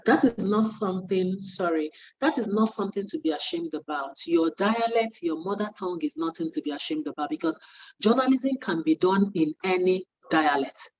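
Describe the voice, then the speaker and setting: A woman's voice: on the low side, animated, moderate pace, highs cut off, slight background noise. A woman, a media training facilitator, teaches trainees in an earnest way and repeats her points for emphasis. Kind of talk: spoken lesson to trainees.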